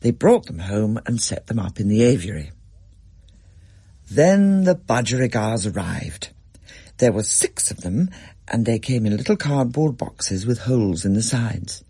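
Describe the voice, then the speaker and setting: A man narrating a story in a measured, expressive reading. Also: fairly low pitch, slightly rough, no echo.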